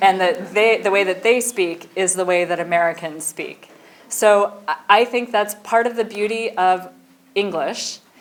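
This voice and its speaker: Fairly slow speech from a woman at medium pitch, ordinary in its pitch variation, over noticeable background noise. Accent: Californian. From California. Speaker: diplomat. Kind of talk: Q&A with students. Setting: university event.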